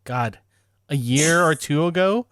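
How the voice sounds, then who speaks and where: A man hosts a casual podcast, his voice sitting a little high and sounding dry and close. He talks in loose run-on sentences and laughs often as he goes. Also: expressive, a little slow, a bit bright, no echo. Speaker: podcast host.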